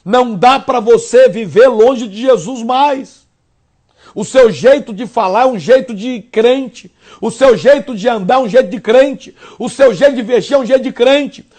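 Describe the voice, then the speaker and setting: A man with a Brazilian Portuguese accent preaching a sermon on the radio, repeating phrases in rhythmic runs and swinging from loud peaks to hushed lines. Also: very high voice, a little slow. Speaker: pastor.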